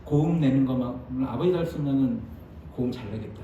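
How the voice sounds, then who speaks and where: A man preaching a sermon as pastor, lively and conversational, acting out quoted lines with sudden loud jumps and laughter. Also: mid-range voice, fast, very echoey, distant mic, muffled recording, slight background noise. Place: church sanctuary.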